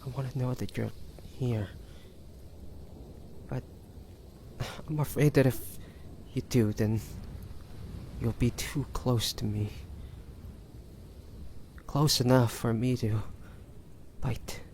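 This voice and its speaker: Male demon, performed by a man, audio drama: tormented and bloodthirsty, very unhurried, halting delivery with pleading sighs, medium register. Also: medium pitch, fairly even intonation, darkish tone, slight background noise. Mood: afraid, yearning. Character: tormented young man turned bloodthirsty demon, fighting his hunger. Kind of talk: dramatic audio roleplay acting.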